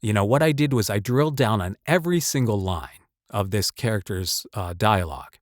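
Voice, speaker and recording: A man's voice: fairly low pitch, lively intonation, a little fast, no room sound. Emphatic man talking casually, very dry sound. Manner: emphatic, rambling, conversational. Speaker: voice actor giving advice. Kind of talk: casual advice talk to camera or mic.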